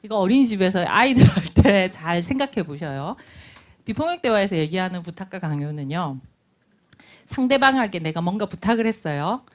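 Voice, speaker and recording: Lively woman lecturing a class. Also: medium pitch, moderate pace. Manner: lively, acts out everyday dialogues in little voices. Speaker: nonviolent communication instructor. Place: lecture room.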